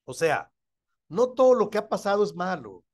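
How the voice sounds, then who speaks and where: A middle-aged Mexican-accented pastor teaching a church class, his voice sitting a little high for a man. He keeps checking in with his listeners and laughs softly between points. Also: sing-song, moderate pace.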